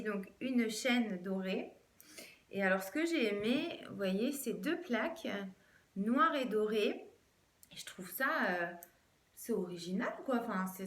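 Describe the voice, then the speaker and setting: A woman's voice: mid-range voice, a bit bright, roomy sound. A woman vlogger chatting casually through a jewelry haul, hesitant and full of fillers. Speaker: fashion vlogger.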